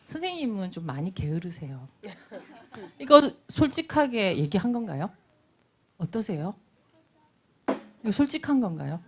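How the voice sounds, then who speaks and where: Brief: middle-aged woman instructor, animated pitch, acts out little dialogues mid-lecture. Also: moderate pace, long pauses, a little hiss or hum. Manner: lively, acts out everyday dialogues in little voices. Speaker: nonviolent communication instructor. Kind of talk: lecture to a class. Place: lecture room.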